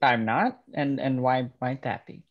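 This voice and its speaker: A man's voice: medium pitch, a little slow, close to an everyday voice. Polite, hesitant young newcomer, lo-fi read by a man. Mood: puzzled. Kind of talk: screenplay table read.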